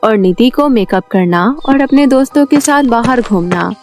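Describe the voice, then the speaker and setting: A woman with a high, clear voice narrating a cartoon storybook in steady, scripted tones. Soft music plays faintly underneath. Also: moderate pace.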